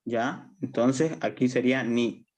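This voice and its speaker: A Bolivian man leads a university language class in a mid-pitched voice. He explains step by step and repeats his points. He keeps asking the students whether it is clear. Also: slow, darkish tone. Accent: Bolivian Spanish. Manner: patient, repetitive, checks understanding often. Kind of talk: online class lecture.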